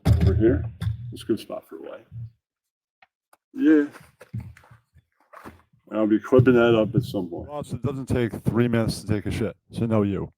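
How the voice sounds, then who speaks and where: A man's voice: on the low side, normal speed, pauses often, mellow, a little hiss or hum, poor audio. A man hosting his own puppet show, chatting off-script and muttering to himself as he sets up. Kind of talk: casual off-script chat while setting up.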